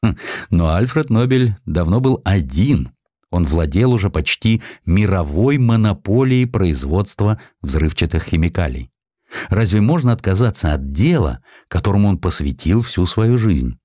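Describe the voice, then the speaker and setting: A man with a low voice reads a historical narrative in a theatrical, ironic way. His intonation is very lively and moves freely up and down. The sound is dry and close, as in a produced audiobook. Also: unhurried, no echo. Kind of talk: dramatic scripted narration of a historical essay.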